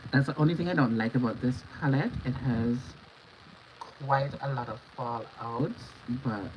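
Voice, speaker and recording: A woman from Antigua and Barbuda, hoarse from a cold, talking viewers through a makeup look on a livestream. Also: very deep voice. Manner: chatty, instructional, greets viewers by name. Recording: dull lo-fi stream audio with clear background noise.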